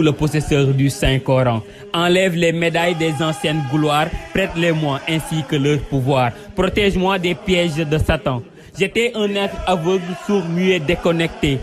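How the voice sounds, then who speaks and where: A man with a slightly high voice recites devotional verse. His delivery is exalted and rhythmic, with emphatic, solemn phrasing. Soft music plays behind him. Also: measured pace. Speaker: poet reciting devotional poem. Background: music under the voice.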